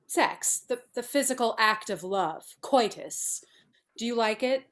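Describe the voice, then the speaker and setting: Film table read: actress as brisk feminist artist, higher register, haughty, matter-of-fact, unembarrassed. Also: female voice, animated, fairly bright tone. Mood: businesslike, blunt. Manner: clinical, formal, matter-of-fact.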